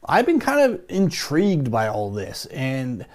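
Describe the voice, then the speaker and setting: A man's voice: medium pitch, wildly swooping pitch, unhurried. Give me a man hosting a horror movie channel, musing aloud in casual commentary. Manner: chatty, musing aloud, many hedges. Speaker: movie news channel host.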